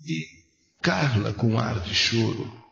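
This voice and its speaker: Gravelly man telling a dramatic radio story. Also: medium pitch, animated, slow pace. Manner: emphatic, repeats phrases, shifts between hushed and loud. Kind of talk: dramatic first-person story reading. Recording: roomy, muffled radio recording.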